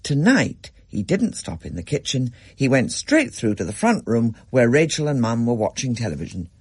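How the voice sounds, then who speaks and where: A man narrating a story in a measured, expressive reading. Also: medium pitch, slightly rough, dry recording, clean studio sound.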